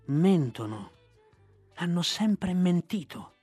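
A man voicing a calm, cool panther who speaks quietly. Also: sits high, takes it slowly, breathy edge, no room sound, soft background music, heavily acted. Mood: cool, dry.

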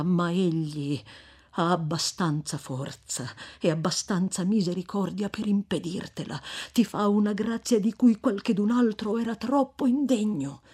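A woman's voice: fairly low pitch, slightly rough. A woman doing a stern old friar. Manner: stern scolding, rising to cries, then slow and hushed. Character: stern old male friar, severe, fervent.

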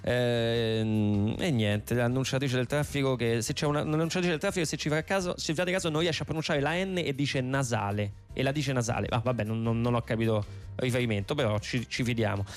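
Man hosting radio, soft R. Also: medium pitch, fairly quick, soft background music. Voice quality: soft, non-rolled R. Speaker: radio host. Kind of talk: casual comic radio chat.

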